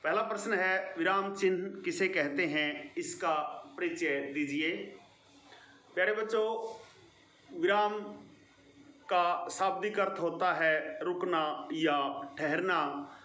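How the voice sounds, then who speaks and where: Slow, bright-voiced male grammar teacher. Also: high-pitched, reverberant. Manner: slow, deliberate explaining with stressed key words. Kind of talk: online video lesson for schoolchildren.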